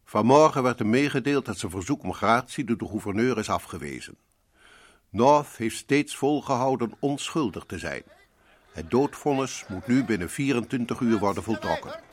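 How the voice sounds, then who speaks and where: An actor playing a sinister, theatrical host in black, narrating a radio horror series in an ominous, deliberate way. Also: male voice, medium pitch, lively intonation, lightly acted. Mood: grave, emphatic. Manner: ominous, deliberate, sometimes sinking to hushed tones. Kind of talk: dramatic scripted radio narration.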